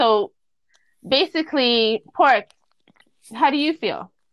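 Lively intonation colors this woman's high-pitched voice. She talks at a fairly slow pace. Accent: Toronto. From Toronto, Canada. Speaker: podcast host. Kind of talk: casual chat. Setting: remote call. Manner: animated.

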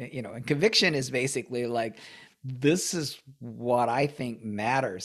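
A man speaks at a medium pitch in a normal speaking voice, with an American accent. His pitch varies in an ordinary way, and the recording is very clean with a silent background. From US Midwest, Michigan. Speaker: venture capital investor. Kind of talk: interview. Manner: casual, filler-heavy.

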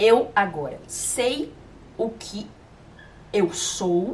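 A woman's animated voice with lively intonation and audible room echo. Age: 20s. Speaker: podcast host. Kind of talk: solo casual monologue. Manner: talkative, animated.

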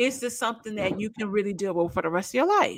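A woman is speaking. Her pace is very fast. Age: 30s. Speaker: podcast host. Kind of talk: casual chat.

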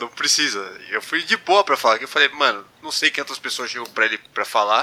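A man at a moderate pace with very wide pitch swings, hardly any pauses, and noticeable background noise. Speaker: podcast co-host. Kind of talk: casual chat.

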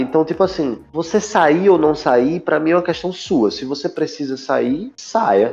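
Lively intonation colors a man's unremarkable speaking voice, pitched fairly high. He keeps a moderate pace. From Brazil, Pernambuco (Garanhuns). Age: 30s. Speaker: stage actor. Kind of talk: interview.

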